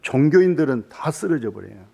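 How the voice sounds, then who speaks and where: Impassioned Korean-church pastor, loud then whispering. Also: male voice, fairly high pitch, expressive, a little fast, vocal fry, husky. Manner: swings between loud exclamations and hushed, whispered asides; fires rhetorical questions at the congregation. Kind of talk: sermon.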